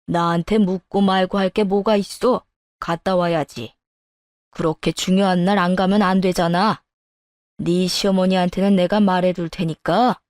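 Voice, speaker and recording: A woman's voice: lowish voice, steady tone, normal speed, darkish tone, no echo, studio quality, natural voice. A woman voicing a stern older man, a father-in-law who scolds his wife with indignation in a scripted story. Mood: kind.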